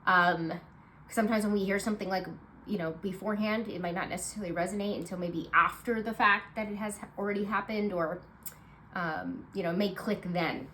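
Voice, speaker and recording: Woman tarot reader with a blocked nose, relaxed, rambling delivery, faint background noise. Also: medium pitch, brisk. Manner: chatty and reassuring, many fillers and asides. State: congested, nasal voice. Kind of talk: casual monthly card reading to camera.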